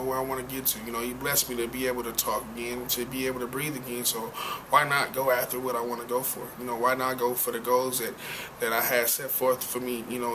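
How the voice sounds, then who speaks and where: A young man being interviewed as a football player, answering in a halting way with many fillers and restarts. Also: mid-range voice. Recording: noisy background.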